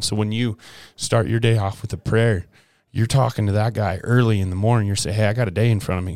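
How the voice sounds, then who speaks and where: The recording is very clean, with a silent background. A man with an Upper Midwest accent speaks at a fairly low pitch. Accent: Upper Midwest American. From North Dakota. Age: 20s. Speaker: professional bullfighter. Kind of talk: casual chat. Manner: animated.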